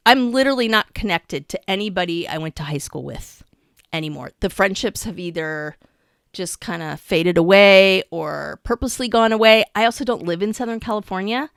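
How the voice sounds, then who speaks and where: A woman in her fifties co-hosting a podcast, talking casually in an animated, slangy way with frequent laughter. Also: medium pitch, clear, resonant tone, dry recording, clean studio sound. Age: 50s. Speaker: podcast co-host. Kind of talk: casual chat.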